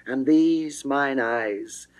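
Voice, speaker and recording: A man's voice: medium pitch, extremely slow. A man performing an amorous, pleading goddess in dramatic classical verse, theatrical and declamatory. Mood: swooning anguish. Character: amorous, pleading goddess Venus, grand and lovesick.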